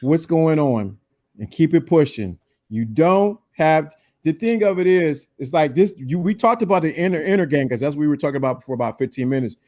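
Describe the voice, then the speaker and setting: A man in his forties giving casual dating advice, quick and repeating himself for emphasis. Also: a little high, lively intonation, a little mellow. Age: 40s.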